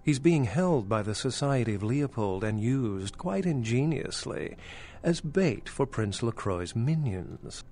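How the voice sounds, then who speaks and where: A man's voice: mid-range voice, expressive, slow pace, dark tone, slight background noise. An actor playing a scholarly vampire in a video game, an articulate, formal man with a dry, wry manner. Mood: cautioning, wry. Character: urbane, scholarly male vampire archaeologist, dry and knowing. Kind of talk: video game dialogue acting.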